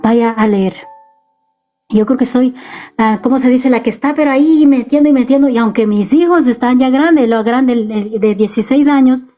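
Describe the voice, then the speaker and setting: A woman's voice: on the high side, normal speed, mellow, soft background music. A middle-aged woman preaching earnestly to parents from a bedroom in her home. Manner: earnest, exhorting, speaks straight to parents. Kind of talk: home video sermon.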